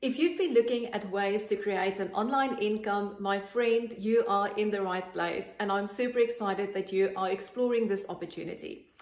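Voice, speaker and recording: A South African woman in her late forties, talking straight to camera in a chatty, earnest way, with frequent ums, as she pitches an online business. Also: normal speed, darkish tone, echoey room. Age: 40s.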